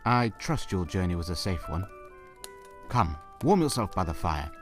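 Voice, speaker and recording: A man's voice: low-pitched, big pitch swings, moderate pace, soft background music. A man playing a genial fireside storyteller, narrating an audio drama in a wry, theatrical way. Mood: welcoming.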